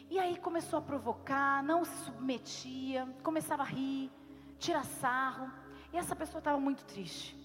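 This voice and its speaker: A woman preacher delivering a sermon in an earnest manner, slowing down to stress single words. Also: high-pitched, big-room sound. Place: church.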